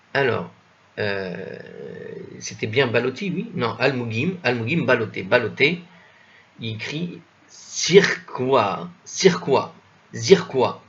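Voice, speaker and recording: A man teaching a commented reading of an old religious text, thinking aloud with many hesitations and self-corrections, slowly sounding out foreign words. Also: medium pitch, gravelly, a bit bright, highs cut off. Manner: spells out Hebrew and Old French words slowly. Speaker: Talmud study teacher.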